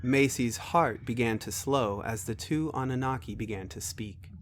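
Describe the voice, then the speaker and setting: A man's voice: mid-range voice, normal speed, noisy background. A man narrating a scripted dramatic story.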